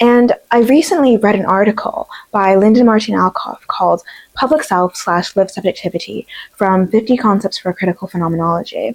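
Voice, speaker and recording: Speaking at a fairly quick pace with an American accent, a woman uses lively intonation in a dry, close sound with no echo. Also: fairly high pitch for a woman. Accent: ambiguous American, switches toward UK. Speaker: student assistant explaining philosophy. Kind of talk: scripted explainer. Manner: casual, conversational.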